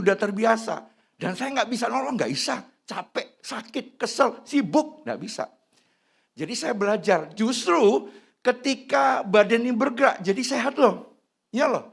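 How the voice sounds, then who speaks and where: A man in his fifties with a lilt, preaching a sermon as a church pastor, mixing casual slang into his message with lively swings of pitch and loudness. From Indonesia. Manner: colloquial, drops into Javanese slang. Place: church hall.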